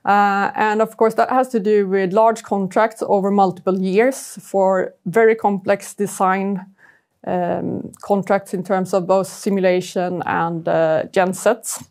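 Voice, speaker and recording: A woman's voice: mid-range voice, creaky, a little mellow. A woman giving a corporate earnings presentation as chief executive, searching for words as she goes.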